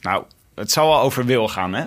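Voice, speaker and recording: A Dutch man on a casual podcast, wry and full of opinions. His voice has a bright, tense edge. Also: mid-range voice, lively intonation, a little fast. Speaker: podcast co-host. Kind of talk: casual chat.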